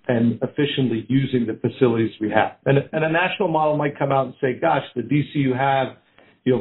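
Male executive, mid-pitched, explanatory business delivery with repeated phrases, heard over a thin phone-like conference line. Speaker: company executive on earnings call. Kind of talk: answering analyst questions, unscripted business talk. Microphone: conference call line. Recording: narrow tinny phone-line sound.

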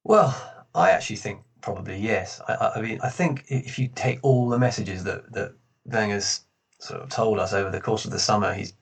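Gravelly man in a big echoey hall. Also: fairly low pitch, fairly quick. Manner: relaxed, rambling, many restarts. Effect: echoey sound like a big hall. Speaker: fan blogger guest. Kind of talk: casual football chat. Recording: echoey room, far from the mic.

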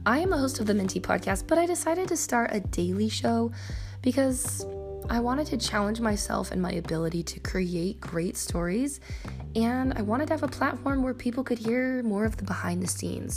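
A woman in her thirties hosting a solo podcast, telling her own story in a chatty way with a hoarse voice that keeps cracking, laughing often and wandering onto tangents. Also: fairly high pitch, very animated, normal speed, music in the background. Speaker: podcast host.

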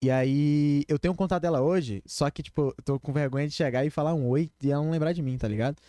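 A young man in his teens, casually telling a story on a live stream, full of slang and quick asides. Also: a little high, dark tone, dry recording, clean studio sound. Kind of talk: casual chat.

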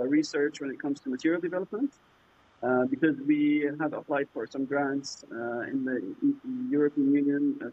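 A man from Jordan whose first language is Arabic, answering interview questions in a halting way, with many fillers and restarts. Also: on the high side, mellow. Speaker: startup founder, guest. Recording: muffled lo-fi remote audio.

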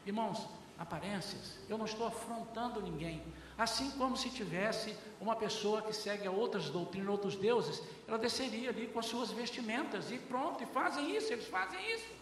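A high-pitched older man with a Brazilian Portuguese accent delivers a lively sermon, acting out little conversations and turning to the brothers in the pews. He sounds distant from the mic, with a long, roomy reverb filling the church hall. Faint noise sits under the voice. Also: normal speed. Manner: lively, acts out dialogues, often addresses the congregation as brothers. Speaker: pastor. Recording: very echoey hall, heard from far off.

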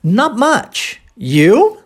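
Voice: mid-range voice, huge pitch swings, extremely slow, slightly rough. A teacher with a Brazilian accent hosting an informal language lesson podcast, speaking conversationally and emphatically, with frequent short check-in tag questions. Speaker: English teacher and podcast host.

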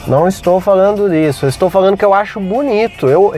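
A man's voice: high-pitched, quick pace, dark tone, soft background music. A man hosting a podcast, rambling jokily and narrating what he sees from inside his car with the windows closed. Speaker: podcast host. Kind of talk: casual rambling monologue.

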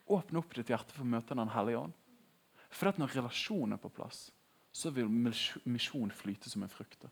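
A young man giving a casual, animated sermon in a conversational tone. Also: medium pitch, slightly rough. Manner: conversational, animated, laughing at his own jokes. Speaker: preacher.

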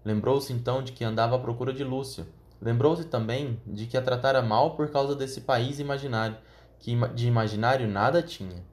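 A man with a mid-range voice reads a children's fantasy aloud as an audiobook. His telling is calm, steady and measured. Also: medium pitch. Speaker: narrator. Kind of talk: audiobook reading.

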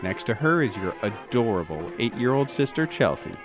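A man's voice: fairly low pitch, big pitch swings, moderate pace, music in the background. A man narrating scenes dramatically as game master of a roleplaying audio drama.

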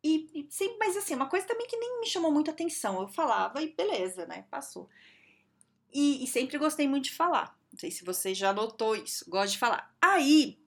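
Middle-aged woman, fairly high voice, casual vlog advice, lively and chatty, does quick mock voices. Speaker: vlogger giving workplace advice. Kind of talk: casual monologue to camera.

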